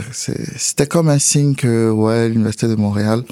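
A man speaks at a very slow pace. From Côte d'Ivoire. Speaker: physician, doctoral student. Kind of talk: panel discussion. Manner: halting, repeats words.

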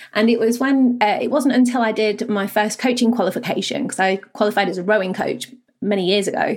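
With a British accent, a woman speaks at a very fast pace. Her pitch is fairly high, with ordinary variation. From UK. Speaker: podcast host. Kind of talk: interview, casual chat.

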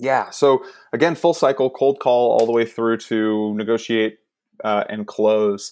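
A man with an American accent speaks in a normal speaking voice at medium pitch. His pace is fairly slow and his intonation fairly even. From US Northeast, Maine. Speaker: sales and growth executive. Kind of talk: interview. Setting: remote call.

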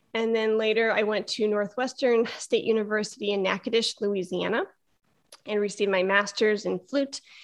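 A woman speaks in a plain, everyday voice with an American accent and a fairly high pitch. Her pace is fairly quick and her intonation fairly even. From Chicago, US Midwest. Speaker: flutist, music mentor and educator. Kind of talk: interview.

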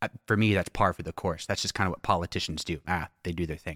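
On a very clean recording with a silent background and a dry, close sound with no echo, a man speaks at a very deep, low pitch with ordinary pitch variation. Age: 30s. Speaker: podcast co-host. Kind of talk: casual chat.

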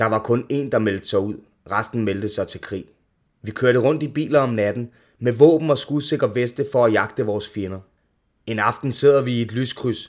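A man speaks at a medium pitch in a normal speaking voice, at a moderate pace with ordinary pitch variation. The recording is very clean, with a silent background. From Denmark, Ishøj (Copenhagen area). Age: 30s. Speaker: former gang member telling his life story. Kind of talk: personal testimony; spiritual advice.

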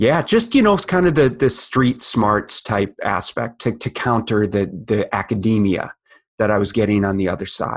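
A man has a plain, everyday voice at medium pitch. He speaks at a moderate pace with ordinary pitch variation. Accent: American. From Minnesota (Minneapolis), US Midwest. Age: 40s. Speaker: fitness and nutrition coach. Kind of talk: interview conversation.

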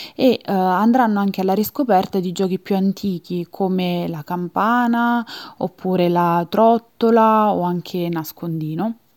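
A woman's dark, mellow voice at medium pitch, very slow in pace with ordinary pitch variation, dry and close with no echo, in a very clean recording over a silent background. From central Italy, Arpino (Frosinone, Lazio). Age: 20s. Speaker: student. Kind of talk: recorded personal statement.

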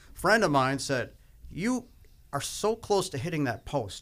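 A man with an American accent at a moderate pace, vocal fry and very wide pitch swings. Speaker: radio voice-over producer. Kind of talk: casual chat. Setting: studio. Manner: laid back.

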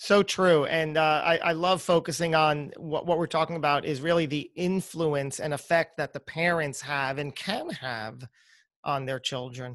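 In a very clean recording with a silent background, a man with an unremarkable speaking voice talks at a moderate pace in a fairly high pitch with ordinary pitch variation. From New Jersey, US. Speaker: podcast host. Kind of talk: casual interview chat.

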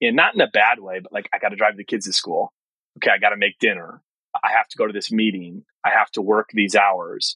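A man talks at a fairly quick pace, his loudness swinging widely in a dry, close recording with no echo. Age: 30s. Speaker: culture consultant and sales leader. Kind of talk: casual interview.

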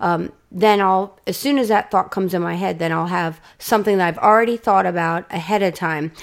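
On a very clean recording with a silent background, a woman speaks in a plain, everyday voice at a fairly quick pace with hardly any pauses, a medium pitch and ordinary pitch variation. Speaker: podcast host. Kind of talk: casual interview chat.

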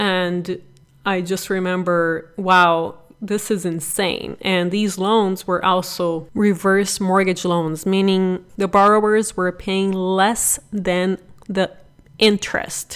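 A woman with a Portuguese accent at medium pitch, monotone and flat in intonation, at a very slow pace. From Brazil. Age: 30s. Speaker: podcast host. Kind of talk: solo storytelling monologue.

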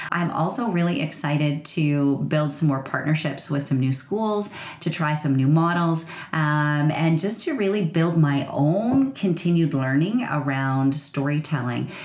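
Speech at a fairly slow pace with a Canadian accent, ordinary pitch variation and very even loudness, amid noticeable background noise and audible room echo. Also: woman, very deep, low pitch for a woman. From rural Ontario, Canada. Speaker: educator and digital storytelling consultant. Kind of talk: interview conversation.

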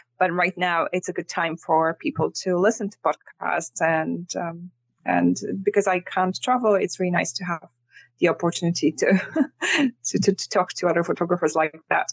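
A woman with a Polish accent speaks at a moderate pace in a fairly low voice with vocal fry. Her intonation is fairly even, while her loudness swings widely. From Poland. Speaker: photographer and workshop teacher. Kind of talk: interview, casual conversation. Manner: halting, with restarts.

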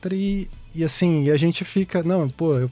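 Speaking fairly slowly, a man has an ordinary speaking voice and ordinary pitch variation. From Brazil, São Paulo. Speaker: podcast co-host and editor. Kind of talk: casual chat.

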